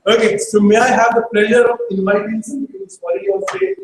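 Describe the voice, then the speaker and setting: A man's voice: extremely high pitch, sing-song, fast talker, a little hiss or hum. A man hosting a live stage event, introducing performers in a chatty, joking way with hesitant fillers. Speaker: event host. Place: live arts festival stage. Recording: echoey hall from far off.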